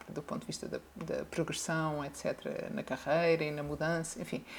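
A woman speaks with a European Portuguese accent. Her pace is moderate. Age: 40s. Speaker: podcast co-host. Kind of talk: casual chat. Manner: halting, repeats words.

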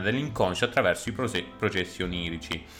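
A man's animated tone with lively intonation. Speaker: podcast host and student. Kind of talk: casual chat. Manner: halting.

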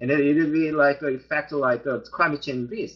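In a Korean accent, a man talks at a moderate pace with a fairly high pitch. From South Korea. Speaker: IT and patent expert, panelist. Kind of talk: panel discussion. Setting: online webinar. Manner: halting, repetitive fillers.

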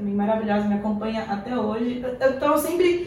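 Over noticeable background noise and audible room echo, a woman with a fairly high pitch talks at a moderate pace. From Brazil, Santo André (São Paulo area). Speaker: psychologist and recruiter. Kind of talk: casual interview.

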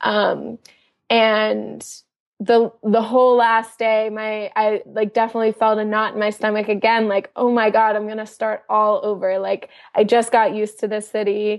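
A woman talks at a moderate pace with an American accent. Her fairly high voice stays monotone and flat. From US Northeast, Boston. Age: 20s. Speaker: guest, recent graduate. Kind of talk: interview.

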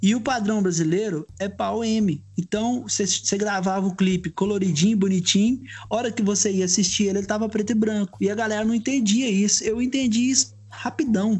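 A man with a Minas Gerais accent talks at a moderate pace, with hardly any pauses. His high voice keeps fairly even intonation. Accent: mineiro Brazilian Portuguese. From Minas Gerais, Brazil. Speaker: DJ and VJ, touring musician. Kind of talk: casual interview chat.

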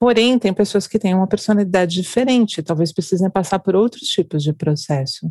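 A woman speaks at a fairly quick pace with hardly any pauses, with a medium pitch, lively intonation and a dark, mellow, somewhat breathy tone, her loudness very even and the sound dry and close with no echo. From Brazil, São Paulo city. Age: 40s. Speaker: career changer in tech, trainee product owner. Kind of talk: interview.

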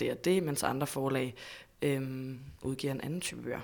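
Fairly even intonation and a fairly quick pace from a woman with a very deep, low pitch. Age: 30s. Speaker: publishing promoter of children's literature. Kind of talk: interview. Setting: publisher's office.

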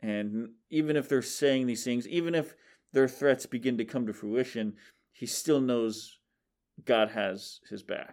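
In a plain, everyday voice, a man speaks at a medium pitch and a fairly slow pace with ordinary pitch variation, on a very clean recording with a silent background. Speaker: high school youth director. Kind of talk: casual chat about scripture.

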